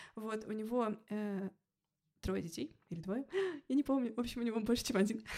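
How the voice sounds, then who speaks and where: At a moderate pace with long, frequent pauses, a woman speaks in a fairly high pitch with a dark, mellow tone and ordinary pitch variation. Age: 30s. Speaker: podcast host. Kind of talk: casual interview chat; monologue to listeners.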